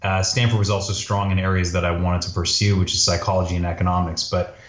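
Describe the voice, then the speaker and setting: A man from Canada answers as a podcast guest in a low voice. He talks casually and conversationally. The recording is roomy and a little dull. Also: flat delivery, quick pace. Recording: roomy, slightly dull audio.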